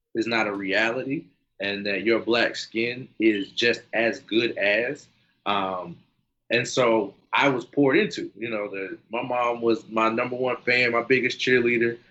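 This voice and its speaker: With a normal speaking voice and an American accent, a man speaks at a fairly slow pace, his medium pitch kept in fairly even intonation. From US South, eastern North Carolina. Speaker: podcast guest, PhD holder. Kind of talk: casual interview.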